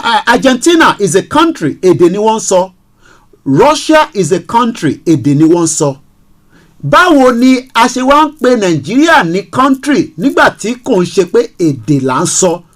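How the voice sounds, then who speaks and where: A man in his forties with a Yoruba Nigerian accent, hosting a radio talk show and speaking passionately in a mix of English and Yoruba, with many rhetorical questions. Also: high-pitched. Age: 40s. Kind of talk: impassioned political radio talk.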